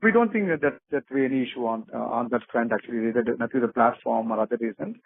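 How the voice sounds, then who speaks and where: A man with an Indian accent speaking as a company executive, answering questions off the cuff in a halting, repetitive way with many restarts. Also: medium pitch, creaky. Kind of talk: unscripted earnings call answers. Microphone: telephone conference call. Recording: narrow muffled phone conference line.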